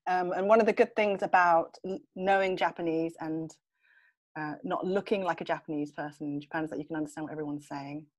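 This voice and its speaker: A young woman from England chatting as a guest on a podcast, her voice sitting somewhat low. She hesitates often, restarts her sentences and breaks into laughter as she talks. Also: steady tone, brisk. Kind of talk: relaxed conversational interview.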